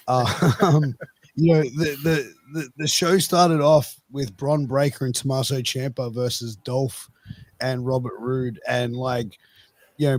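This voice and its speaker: A man's voice: medium pitch, no room sound. Male podcast host, blokey and profane, worn-out recovering voice that cracks, chatting casually about wrestling.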